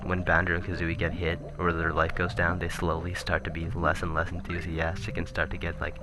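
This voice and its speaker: Deep-voiced man rambling over game music. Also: monotone, fairly quick. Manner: rambling, self-correcting, chuckling asides. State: voice getting raspy. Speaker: let's play commentator. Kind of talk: casual gameplay commentary. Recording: game music playing behind.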